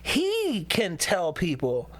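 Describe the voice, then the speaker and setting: A man's voice: sits high, takes it slowly. A man, a rapper co-hosting a podcast, acting out quoted exchanges as he argues a point. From Massachusetts. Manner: animated, acts out quoted exchanges. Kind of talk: casual podcast chat.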